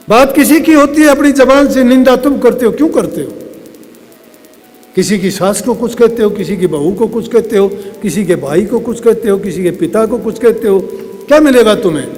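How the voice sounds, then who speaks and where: A man's voice: extremely high pitch, a little mellow, big-room sound. A man giving a devotional sermon, urging his listeners and acting out the dialogue in the stories he tells. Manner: exhorting, acts out quoted dialogue. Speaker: satsang preacher.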